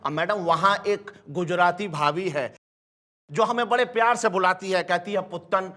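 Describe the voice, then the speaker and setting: A man's voice: high-pitched, normal speed, bright, forceful tone. An actor playing a whiny, earnest male vegetable seller, complaining to the police in a sing-song way in a TV sitcom. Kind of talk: sitcom acting.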